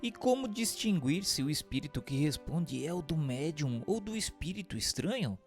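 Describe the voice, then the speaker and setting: A male narrator with a gravelly edge and a lively, swinging intonation reads formal scripted questions for a radio drama. Music plays behind him. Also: on the high side, moderate pace.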